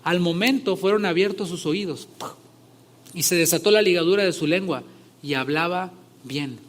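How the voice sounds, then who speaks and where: A male pastor preaching a sermon in a conversational way, growing loud and emphatic when he retells scripture scenes. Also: high-pitched, moderate pace.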